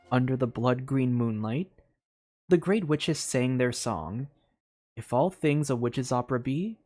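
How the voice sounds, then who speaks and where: A game streamer with an expressive delivery, reading a story aloud in storybook style and slipping into casual asides. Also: mid-range voice. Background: music.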